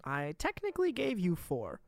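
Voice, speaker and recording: A woman's voice: on the low side, wildly swooping pitch, moderate pace, gravelly, darkish tone, faint music behind, heavily acted. A woman voicing a guarded, secretive young man who talks tersely and evasively and sighs wearily.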